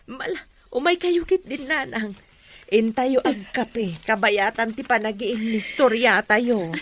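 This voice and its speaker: A woman with an Ilocano accent playing a gentle, devoted mother who consoles in a sentimental drama style. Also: on the high side, a little slow, a little hiss or hum, close to an everyday voice. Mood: warm, reassuring. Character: gentle, pleading, devoted mother comforting her grown daughter. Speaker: voice actor in an audio drama.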